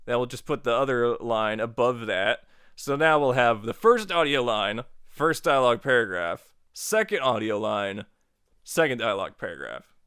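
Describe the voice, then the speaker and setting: A man's voice: medium pitch, expressive, moderate pace, a bit bright, clean tone, no room sound, studio quality. A man narrating a tutorial as its host in an informal, jokey, casual way.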